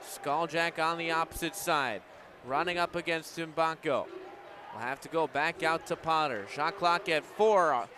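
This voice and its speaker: A man's voice: a little high, a little slow. A young American man calling live sports as a radio play-by-play broadcaster. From United States. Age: young adult. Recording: live game broadcast, crowd noise behind. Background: crowd and game noise.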